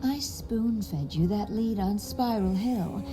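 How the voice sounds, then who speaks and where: A woman's voice: medium pitch, slow, close to an everyday voice. A woman playing a sultry female bat spy in a cartoon audio drama, with a sly, flirtatious, mocking delivery. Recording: music behind the voice.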